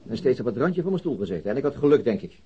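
A man's voice: medium pitch, very animated, rapid-fire, warm tone, breathy edge, highs cut off. A man playing a sober, middle-aged police detective in a naturalistic radio drama, matter-of-fact and guarded. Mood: dry, narrating.

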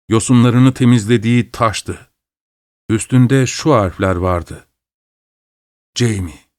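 Man reading a dark story aloud. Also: mid-range voice, no echo, studio quality. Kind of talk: read-aloud story narration.

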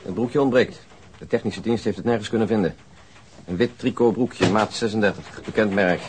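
Man as a deep-voiced police investigator. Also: close to an everyday voice. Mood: matter-of-fact. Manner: factual, measured reporting. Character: matter-of-fact male police investigator. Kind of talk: radio drama acting. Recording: noisy old radio drama recording.

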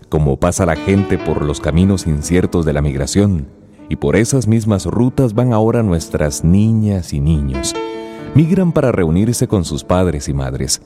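A man narrating a radio drama in a measured, scripted way. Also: deep voice. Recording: narration over guitar music.

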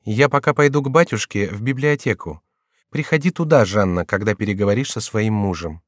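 A man voicing a gentle, polite young countess in an audiobook reading. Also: on the low side, lively intonation, brisk, no echo, clean studio sound.

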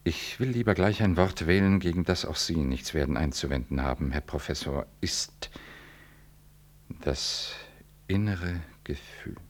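An actor playing a solemn, courteous but unyielding Catholic priest in a 1960s radio play, speaking formally and deliberately with weighty pauses. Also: male voice, low voice. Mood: gently unyielding.

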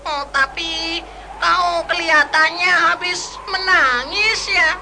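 A woman's voice: extremely high pitch, takes it slowly, pushed and bright, slight background noise, heavily acted, low-quality recording. A woman voicing a kind, chatty talking white squirrel in a storytelling drama, playful and fussy, tripping over her words. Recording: music playing behind the voice.

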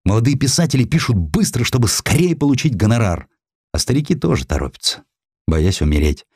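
A man voicing a wry, fatherly elderly editor and retired general in an audio drama, speaking in an avuncular, deliberate way. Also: mid-range voice, very animated, a little mellow, breathy edge, dry recording, clean studio sound, voice pushed up. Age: older.

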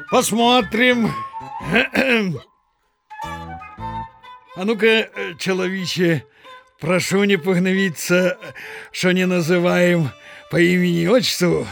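A blustering peasant father in a radio play, high-pitched and creaky. He grumbles indignantly and draws his words out slowly, with theatrical exclamations. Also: fairly bright tone, heavily acted. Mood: wary, blustering. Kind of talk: Russian audio drama acting.

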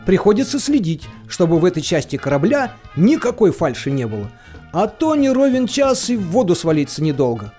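An actor playing a droll narrator who reads comic dictionary definitions in an audio play, playful and mock-didactic. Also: male voice, a little high, a little mellow.

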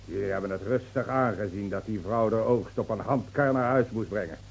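An actor playing an earnest villager in a radio play, reproachful and standing up for the downtrodden. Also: male voice, lowish voice, a little fast, gravelly, breathy edge. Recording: muffled old radio play recording.

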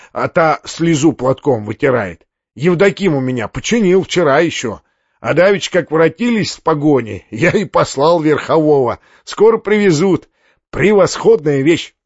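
A man's voice: a little high, expressive, normal speed, darkish tone, slightly rough, no echo, highs cut off. A man voicing a fat, hearty provincial landowner in an audiobook, talking in an effusive, folksy way.

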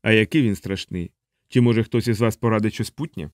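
A man's voice: fairly low pitch, brisk, no echo, clean studio sound, lightly acted. A man voicing a frightened, sarcastic human traveler in an audiobook. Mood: anxious. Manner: sarcastic, pleading.

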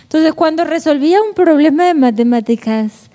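A woman's voice: sits high, expressive, moderate pace, mellow. A woman giving a Catholic formation lecture. She is playful, laughs often and asks rhetorical questions. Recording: echoey hall, long reverb.

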